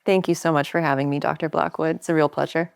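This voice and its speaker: A young American woman speaks as an interview guest in a notably low voice. She is earnest and thoughtful. Her delivery is that of reflective, personal storytelling. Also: flat delivery, fast talker, creaky. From Hawaii, United States. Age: young adult.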